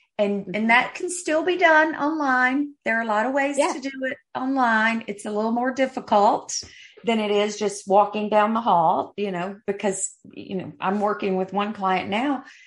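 Lively intonation marks this woman's fairly high voice, delivered with a Southern US accent. The background stays quiet. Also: moderate pace. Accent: Southern US (Georgia). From US South, Georgia. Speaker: leadership consultant. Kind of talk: interview.

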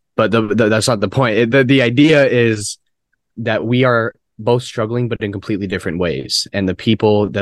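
Against a quiet background, a man with a normal speaking voice talks at a fairly low pitch and a fairly quick pace with ordinary pitch variation. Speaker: podcast co-host. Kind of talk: casual discussion podcast. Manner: conversational, some filler words.

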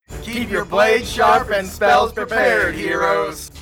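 Over loud music in the background, a man performs a put-on character voice at a high pitch and a fairly slow pace. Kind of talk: upbeat, heroic. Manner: exaggerated, cheerful.

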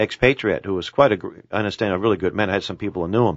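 This is a man speaking. He has a Massachusetts accent. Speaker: political activist. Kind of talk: radio interview. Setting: radio studio.

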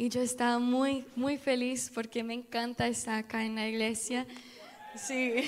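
In a Portuguese accent, a woman talks fairly slowly at a high pitch with monotone, flat intonation. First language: Portuguese (speaking Spanish). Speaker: student. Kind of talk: church greeting. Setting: church. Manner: halting.

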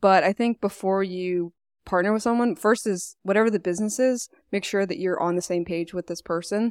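With an Irish accent, a woman speaks at a fairly quick pace and medium pitch with ordinary pitch variation, on a very clean recording with a silent background and a dry, close sound with no echo. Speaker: entrepreneur and business founder. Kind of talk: interview conversation.

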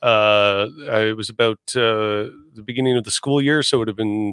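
At a moderate pace, a man with a Canadian accent speaks in a bright, sharp tone with ordinary pitch variation. The recording is very clean with a silent background, and the sound is dry and close with no echo. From Canada, Hamilton, Ontario. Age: 30s. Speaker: musician and internet show host. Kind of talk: casual interview.

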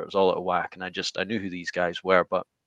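Over a quiet background, a man with a Scottish accent talks at a very fast pace, his very deep, low pitch paired with a bright, sharp tone in a dry, close sound with no echo. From Scotland.

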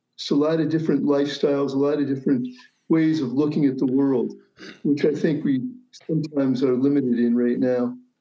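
Audible room echo surrounds a man speaking with an American accent. His fairly high pitch holds fairly even intonation at a fairly quick pace. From New York, with years in Athens, Greece. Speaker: author, former navy and airline pilot. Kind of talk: casual interview. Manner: halting.

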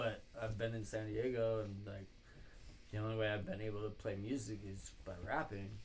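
Against audible room echo, a man with an American accent speaks at a fairly low pitch and a moderate pace. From Washington State. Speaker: guitarist. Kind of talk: casual chat.

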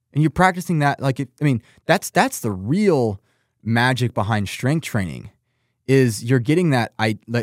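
In an American accent, a man talks at a moderate pace with a medium pitch and lively intonation. It is a normal speaking voice on a very clean recording with a silent background. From Texas. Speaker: online health coach. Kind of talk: casual interview chat.

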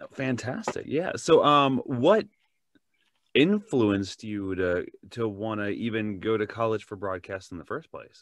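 A man speaks in an ordinary speaking voice at a fairly slow pace. His pitch is medium with ordinary variation, while his loudness swings widely. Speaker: podcast host and voice actor. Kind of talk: casual interview.

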